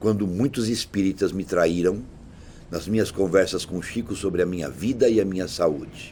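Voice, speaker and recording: A man's ordinary speaking voice, fairly low in pitch, at a moderate pace with ordinary pitch variation. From Brazil, São Paulo. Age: 60s. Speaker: spiritist commentator. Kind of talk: personal testimony address.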